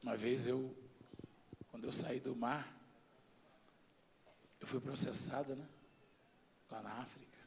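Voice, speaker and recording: A middle-aged man from Brazil preaching a sermon as a bishop, telling stories and shifting from hushed tones to shouts. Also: medium pitch, steady tone, takes it slowly, vocal fry, long pauses, slight background noise. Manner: storytelling preacher, mimics voices, swings from hushed to shouting.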